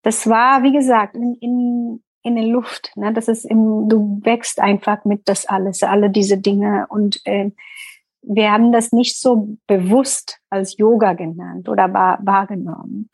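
A middle-aged woman with an Indian accent and a slightly high voice is a yoga teacher appearing as a guest in an interview. She speaks thoughtfully, searching for words and mixing in English phrases. The audio is poor and has no room sound.

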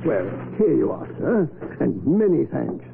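An actor playing a shifty, obsequious old shopkeeper with a shaky delivery in a 1940s radio drama. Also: male voice, mid-range voice, very animated, measured pace, vocal fry, phone-quality sound, full character voice. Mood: fawning, servile. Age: older. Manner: fawning, apologetic. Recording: noisy, phone-thin vintage radio recording.

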